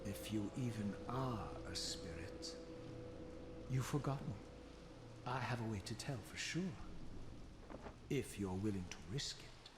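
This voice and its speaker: A man's voice: fairly low pitch, a little slow, pauses often, noisy background, natural voice. A man playing an embittered, proud undead wraith in a scripted video game, speaking with sardonic, eloquent, theatrical disdain. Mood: taunting. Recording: echoing room under loud music.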